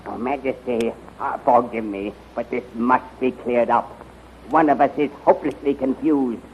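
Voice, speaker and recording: An actor playing a loyal, excitable general in a 1930s radio serial, with formal, deferential, theatrical speech. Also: male voice, medium pitch, moderate pace, close to an everyday voice. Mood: flustered, deferential. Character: loyal, excitable male general serving a queen. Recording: dull, noisy 1930s radio recording.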